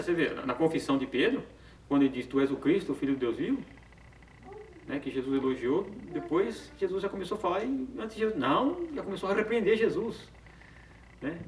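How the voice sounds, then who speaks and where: A man's voice: sits high, fast. Man teaching a casual Bible study. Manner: conversational, frequent tag questions, self-corrections. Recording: far from the mic in an echoey room with faint background noise.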